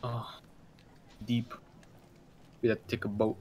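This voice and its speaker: A man's voice: mid-range voice, completely flat delivery, takes it slowly, darkish tone. A man playing a tabletop roleplay game, teasing the others bluntly in casual banter.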